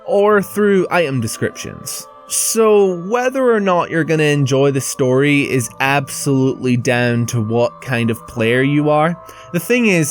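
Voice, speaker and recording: A man narrating a video game review in a casual, scripted style, blunt and casually profane. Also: a little high.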